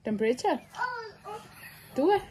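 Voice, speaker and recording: A woman in her thirties hosting a casual vlog with a husky voice, talking to a phone at home. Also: high-pitched, big pitch swings, extremely slow, a crowd in the background. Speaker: vlog host. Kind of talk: casual vlog chat to camera. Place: living room at home. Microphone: phone at arm's length.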